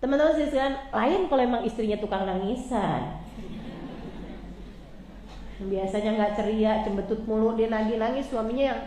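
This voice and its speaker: A woman's voice: on the high side, normal speed, pauses often, dark tone, a little hiss or hum. Chatty woman preacher, echoey room. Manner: chatty, addresses listeners directly. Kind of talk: casual storytelling sermon. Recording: echoey room with faint ambience.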